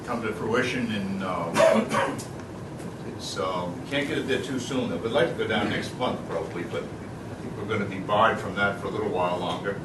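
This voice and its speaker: A man's voice: on the low side, moderate pace. Hesitant man speaking in a roomy, noisy recording. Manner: hesitant, repeating phrases. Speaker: guest speaker, developer. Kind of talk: informal thank-you speech. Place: public event, picked up from a distance. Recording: distant echoey mic with loud ambient noise.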